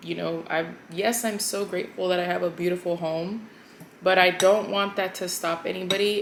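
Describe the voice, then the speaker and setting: At a moderate pace, a woman with a medium pitch and an American accent speaks with fairly even intonation over noticeable background noise. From Mexican American household, US. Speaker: lifestyle YouTuber. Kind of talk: casual vlog talk to camera.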